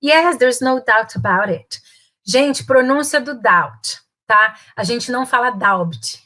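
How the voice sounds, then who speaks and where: A woman with a Brazilian accent teaching English in a casual, chatty way, ending phrases with tag questions and saying English examples slowly and carefully. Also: sits high, sharp tone. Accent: Brazilian Portuguese. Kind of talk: casual online English lesson.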